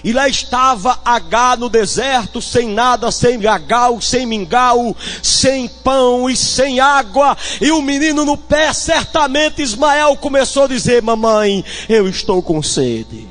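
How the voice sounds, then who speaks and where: A male bishop with a Northeastern Brazilian accent preaching a fiery sermon, swinging between shouts and hushed tones and calling on the congregation. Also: extremely high pitch, measured pace, hardly any pauses, faint music behind.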